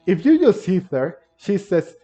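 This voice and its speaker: A man with a Hispanic Spanish accent gives casual game commentary, speaking in a halting way and often rephrasing himself. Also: high-pitched, sing-song, mellow. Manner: halting, repeats and rephrases himself, switches languages. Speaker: gameplay commentator. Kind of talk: casual game commentary explaining story dialogue. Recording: dull lo-fi mic over game music. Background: game music.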